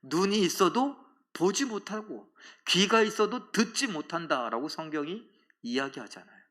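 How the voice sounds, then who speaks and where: A male pastor preaching a sermon in a church, acting out quoted taunts with loud outbursts and dropping to a hush for emphasis. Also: sits high, big pitch swings, normal speed. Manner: dramatic, acts out quoted taunts and cries with sudden loud rises; drops to a hushed, soft voice for emphasis. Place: church sanctuary.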